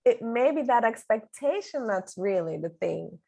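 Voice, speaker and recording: A woman's voice: on the high side, lively intonation, normal speed, vocal fry, mellow. A woman interviewer in a conversational public talk, speaking reflectively and appreciatively as she feels out questions.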